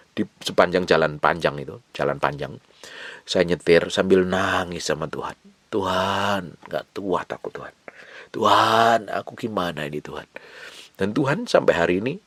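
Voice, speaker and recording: A man preaching a sermon, urging his listeners over and over, with sudden loud bursts and soft whispered asides. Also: sits low, breathy edge, no room sound.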